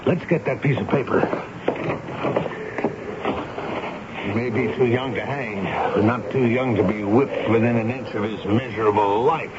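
A man playing a stern, weary army major in 1970s radio drama, speaking and narrating in a measured, grave way. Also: mid-range voice, fairly even intonation, lightly acted. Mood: stern, urgent. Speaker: actor and first-person narrator in radio drama. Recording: noisy, dull 1970s radio broadcast recording.

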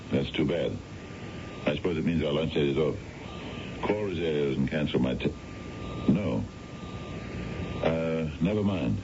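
An actor playing a suave, courtly financial adviser in a radio drama, with polished, formal phrasing and hesitant pauses. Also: male voice, noisy background, heavily acted. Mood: courteous, smooth. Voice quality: very deep, gravelly voice. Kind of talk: 1970s radio drama acting. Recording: dull vintage radio, music behind.

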